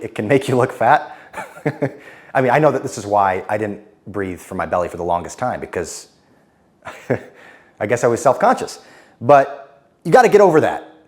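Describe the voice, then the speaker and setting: Blunt, animated male speaking coach. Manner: blunt, direct, with falling pitch at sentence ends. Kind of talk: instructional talk to camera.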